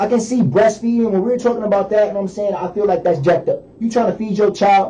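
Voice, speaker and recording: At a very fast pace and with hardly any pauses, a man talks in a high pitch with fairly even intonation. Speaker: college athlete and radio co-host; radio co-host. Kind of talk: casual chat. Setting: studio. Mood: opinionated, conversational. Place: studio.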